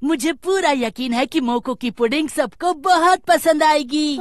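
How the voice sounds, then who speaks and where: A put-on character voice goes at a fairly slow pace with a high pitch. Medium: fan dub.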